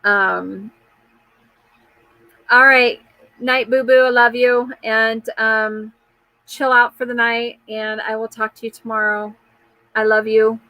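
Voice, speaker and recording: A woman's voice: a little high, steady tone, slow pace, long pauses, sharp tone, dry recording, rough recording. Candid rambling woman in her forties. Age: 40s. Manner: candid and rambling, answering viewer comments; frequent fillers and trailing restarts. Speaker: live chat host. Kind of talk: casual live-stream chat.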